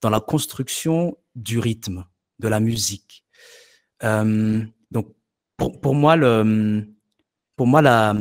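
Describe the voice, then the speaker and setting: His pace is very slow as this man speaks. The pitch is medium, varying in an ordinary way. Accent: Malagasy. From rural Madagascar. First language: Malagasy (speaking French). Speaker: slam poet. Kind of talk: interview. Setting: video call.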